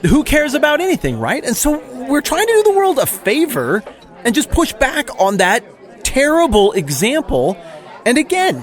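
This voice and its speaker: A man's voice: high voice, pitched above the performer's own voice. A man doing an indignant ranting Pharisee. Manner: ranting, defensive, sarcastic. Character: indignant self-righteous male Pharisee. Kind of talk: comic monologue in character.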